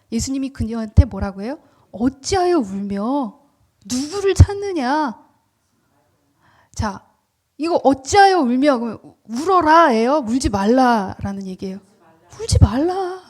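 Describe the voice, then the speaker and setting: Female preacher, high-pitched, animated sermon delivery with rhetorical questions. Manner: animated, acts out quoted words, asks the congregation questions. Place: church.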